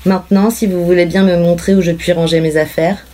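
Woman reading eerie polite little girl, soft quiet voice, low pitch, calm storybook manner. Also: a little fast, lightly acted. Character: eerie, composed little girl who moves in uninvited. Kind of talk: audiobook character reading.

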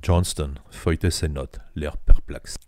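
A man narrating an audiobook in a measured, understated storytelling manner. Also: extremely low pitch, steady tone, a little mellow, no room sound, studio quality.

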